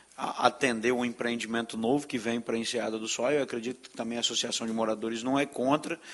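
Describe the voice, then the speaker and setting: A man talks in a monotone, flat intonation at a medium pitch. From Brazil, Espírito Santo (Serra). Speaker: state legislator chairing committee. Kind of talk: committee meeting speech. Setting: legislative chamber, live broadcast.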